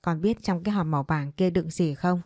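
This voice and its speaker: A woman's voice: lowish voice, a little fast, warm tone, no room sound, clean studio sound, close to an everyday voice. A woman voicing a stern, dismissive middle-aged mother in a spoken ghost story, with a brusque, scolding manner.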